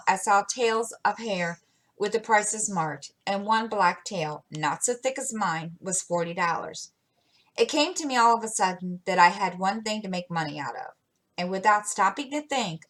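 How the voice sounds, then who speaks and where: A woman's voice: medium pitch, a bit bright. A woman reading as a spirited young heroine. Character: spirited teenage girl heroine, impulsive.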